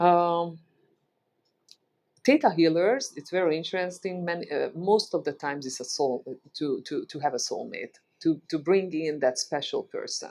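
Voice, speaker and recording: A woman with a Hungarian accent speaks at a moderate pace in a fairly low pitch, using lively intonation. Her loudness swings widely, and she leaves long, frequent pauses. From Hungary. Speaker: energy healer. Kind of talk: podcast interview. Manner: halting, many fillers.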